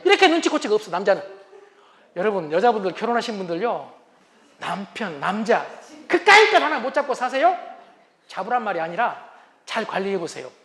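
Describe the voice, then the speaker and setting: A man giving a humorous lecture on couples' communication, animated and acting out what spouses say. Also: high voice, fairly quick, pauses often. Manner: animated, acts out spouses' lines.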